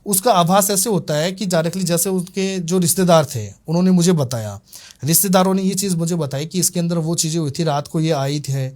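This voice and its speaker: A man's voice: a little high, a little fast. A man in an interview, animatedly retelling an exorcism case and voicing the people in it. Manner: animated retelling, voices other people's lines. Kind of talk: storytelling interview.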